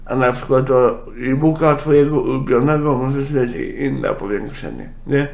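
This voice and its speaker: A man, a congested nose and a speech impediment, giving a casual, halting software walkthrough. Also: medium pitch, gravelly, slight background noise. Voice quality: congested, blocked-nose sound; speech impediment, imperfect articulation. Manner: halting, with self-corrections. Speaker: software tutorial presenter.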